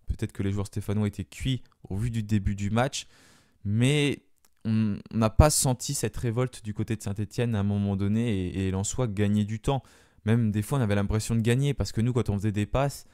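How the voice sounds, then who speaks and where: A man's voice: on the low side, dark tone, smooth, dry recording. A man giving a solo spoken debrief of a football match, hesitant, with many fillers and restarts, into a close microphone. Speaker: fan channel host.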